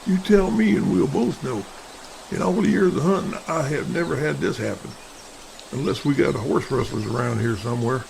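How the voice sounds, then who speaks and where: Very gravelly, folksy hunter played by a man. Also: mid-range voice, normal speed, darkish tone, rough recording. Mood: angry, baffled. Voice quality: gravelly, creaky. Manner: plain-spoken, folksy, mildly salty. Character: folksy, grumbling seasoned hunter on a camping trip. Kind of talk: amateur audio drama acting. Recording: faint background noise.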